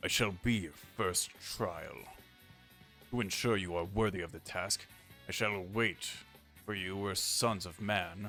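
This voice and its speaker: Over clear background music, a man performs a put-on character voice at a fairly low pitch. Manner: dignified.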